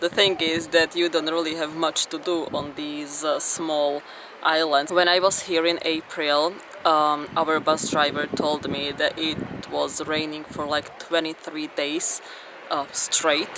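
Over noticeable background noise, in a dry sound with no echo, a woman speaks very slowly in a very deep, low pitch with monotone, flat intonation. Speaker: travel vlogger. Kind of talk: casual vlog chat. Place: waterside. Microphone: phone near.

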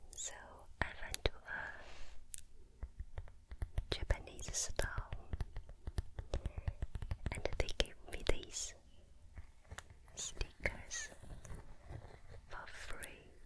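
A soft-spoken woman is whispering. She talks at a very slow pace with long, frequent pauses. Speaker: ASMR creator. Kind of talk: soft ASMR show-and-tell chat. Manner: soft close-mic ASMR whisper. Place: home room. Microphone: studio mic.

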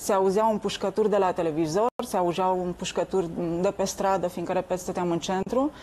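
With a dark, mellow tone and fairly even intonation, a woman talks at a fairly quick pace. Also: very even loudness. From Arad, western Romania; western Romania. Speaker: theatre director; guest. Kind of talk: studio interview. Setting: TV studio. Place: studio. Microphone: lapel.

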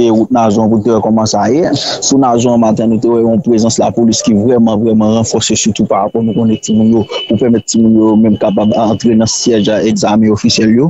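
A man at medium pitch speaks at a fairly quick pace with hardly any pauses and fairly even intonation. His loudness stays very even, and the sound is dry with no echo. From Haiti. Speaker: field correspondent. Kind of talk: news report. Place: studio. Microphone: studio mic.

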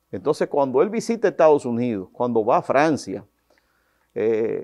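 In a Dominican accent, a man speaks with a dark, mellow tone against a quiet background. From Dominican Republic. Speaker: history teacher. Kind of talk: interview. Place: studio. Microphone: lapel.

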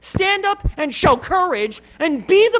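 Loud and with lively intonation, a woman speaks in an American accent. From Bridgewater, Massachusetts, US New England. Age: 40s. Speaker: finance committee chair speaking at public comment. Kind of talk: public comment speech at town meeting. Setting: town hall meeting. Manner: impassioned, emphatic.

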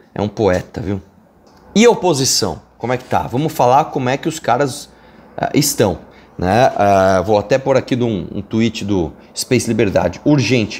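At a fairly slow pace and medium pitch, a man speaks with lively intonation and long, frequent pauses. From Brazil. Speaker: political commentator youtuber; political commentator. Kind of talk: video commentary. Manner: animated. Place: home room. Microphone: earbuds.

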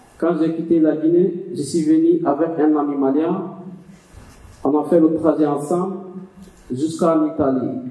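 A man's monotone, flat delivery at a fairly slow pace, with long, frequent pauses and audible room echo. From West Africa. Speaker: refugee reading testimony. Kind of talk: reading aloud. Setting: stage with audience. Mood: calm, earnest. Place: hall.

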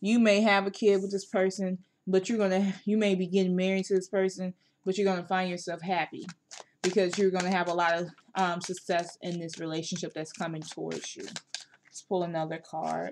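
Over noticeable background noise, a woman with an American accent talks at a fairly quick pace. Her intonation is monotone and flat. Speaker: tarot reader. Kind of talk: tarot reading to camera. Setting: online video, self-recorded. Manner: casual, chatty. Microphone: phone near.

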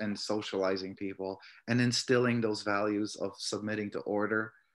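A man talks at a moderate pace and a medium pitch, with fairly even intonation. He has an unremarkable speaking voice, and the background is quiet. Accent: American. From US Midwest. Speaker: activist. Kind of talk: panel debate. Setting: video call.

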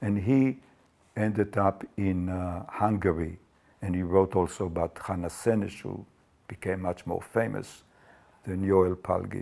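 His voice is very deep and low, with a dark, mellow tone. The man speaks at a fairly slow pace with fairly even intonation. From Israel, Tel Aviv; Israel. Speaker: Holocaust educator; interviewee. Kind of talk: testimony. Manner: halting. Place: home room.

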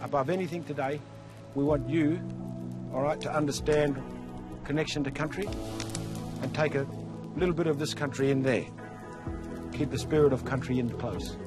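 Over background music, a man talks at a fairly quick pace with ordinary pitch variation, and the sound is dry with no echo. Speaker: local cultural guide. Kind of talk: guided explanation to visitors. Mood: warm, calm, earnest. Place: open country.

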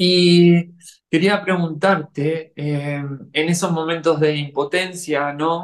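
A man with a high pitch talks very slowly, his intonation monotone and flat. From Uruguay. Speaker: interviewer, palliative care professional; interviewer. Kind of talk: interview. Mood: warm, thoughtful. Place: home room. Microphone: webcam.

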